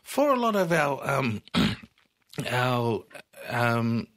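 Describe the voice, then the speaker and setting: A man's voice: medium pitch, sing-song, extremely slow, a bit bright. A man with an Aboriginal Australian accent hosting a casual interview, asking questions in an informal, hesitant way. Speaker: interviewer, show host.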